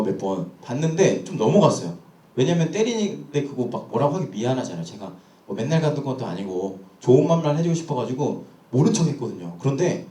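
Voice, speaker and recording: A man's voice: mid-range voice, mellow. A young man, a pastor, telling a personal story in a sermon with candid, self-questioning storytelling. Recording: echoey church hall.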